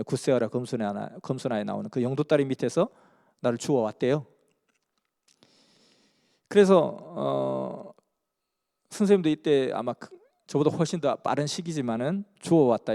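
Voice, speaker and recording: A man's voice: medium pitch, vocal fry, mellow. A man from Busan, earnestly telling a story in a sermon. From Busan, South Korea. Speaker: preacher. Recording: long hall reverb.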